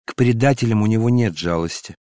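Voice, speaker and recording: A man's voice: on the low side, brisk, dark tone, no echo, clean studio sound, close to an everyday voice. A man reading aloud and voicing a stern, unforgiving disciple who speaks curtly. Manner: stern, curt.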